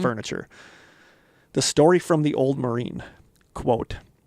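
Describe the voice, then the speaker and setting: The speaker talks at a moderate pace with a Wisconsin accent. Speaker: podcast host, storyteller.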